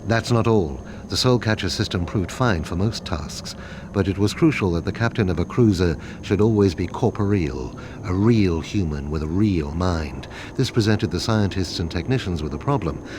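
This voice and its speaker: A man playing a grave, secretive military officer, giving a measured briefing with deliberate pauses in a game cutscene. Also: low-pitched, animated, background noise. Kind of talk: dramatic game cutscene acting, expository briefing.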